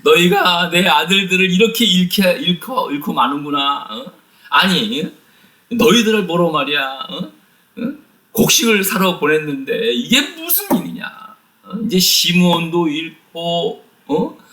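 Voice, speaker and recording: Brief: male teacher playing old father, scolding and anguished, raised pitch, bright forceful tone. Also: big pitch swings, fairly quick, echoey room, full character voice. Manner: scolding, exclaiming, repeated "eh?".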